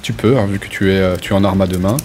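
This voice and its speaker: A man's voice: sits low, flat delivery, fast talker, darkish tone. A man running a tabletop role-playing game, narrating in an informal, hesitant but vivid way. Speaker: game master.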